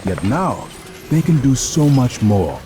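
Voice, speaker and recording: A smooth, lively-voiced executive. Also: male voice, medium pitch, slight background noise. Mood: persuasive. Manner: persuasive, measured.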